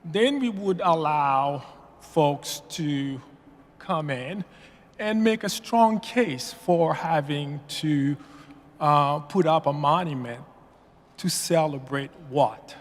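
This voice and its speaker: A man from Haiti giving public comment at a meeting, halting and full of fillers and restarts. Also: fairly high pitch. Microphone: podium mic. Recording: long reverb of a meeting hall.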